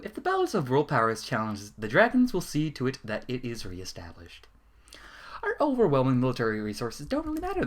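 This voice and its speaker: A man giving a dramatic, formal reading of a fan fiction letter as narrator, with the odd stumble. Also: medium pitch.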